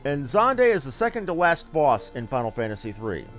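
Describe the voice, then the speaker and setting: A man's voice: medium pitch, sing-song, moderate pace, a bit bright, soft background music. A man streaming a video game, commenting as he plays. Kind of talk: reading game dialogue aloud with brief commentary.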